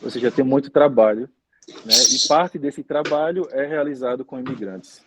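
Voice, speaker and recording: A Brazilian man in his twenties, a Catholic priest answering interview questions in a measured way, often ending phrases with "né?". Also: mid-range voice, heavy background noise. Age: 20s. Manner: measured, many "né?" tags.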